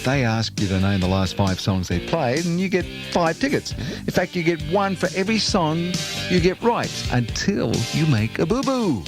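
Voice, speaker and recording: A man's voice: a little high, big pitch swings, normal speed, over music. A man reading a scripted radio promo as an announcer.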